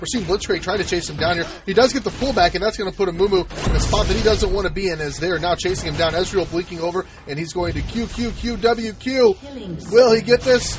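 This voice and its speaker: Music plays in the background as a man speaks at a very fast pace. His pitch is high. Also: ordinary pitch variation. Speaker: esports match caster. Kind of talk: live game commentary.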